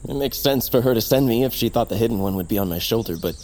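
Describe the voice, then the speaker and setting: A man's voice: medium pitch, fast talker, darkish tone, a little hiss or hum, lightly acted, rough recording. A man acting a devoted, earnest young tribal hero in an audio drama, speaking expressively. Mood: earnest, brooding. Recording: music behind the voice.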